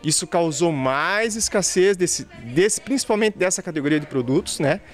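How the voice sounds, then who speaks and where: A man in his thirties with a slightly high voice answers a reporter's questions on a pharmacy floor. He explains things patiently, speaks into a handheld mic and keeps checking in with short tag questions. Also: lively intonation, moderate pace, soft background music. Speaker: pharmacy representative interviewed. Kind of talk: news interview answer. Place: pharmacy shop floor, indoors.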